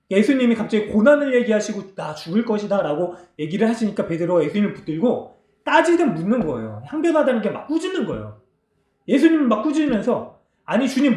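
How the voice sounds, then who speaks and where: A man's voice: sits high, a little mellow. A man preaching a sermon as pastor, explaining the text and putting questions to the congregation. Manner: explains and asks the congregation questions, acts out quoted lines. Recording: echoey church hall.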